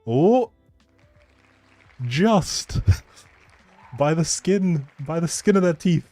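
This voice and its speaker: Speaking extremely slowly in a fairly high, expressive voice with a dark tone, a man hosts a livestream with soft music in the background. He rambles chattily and informally to his viewers while announcing a giveaway.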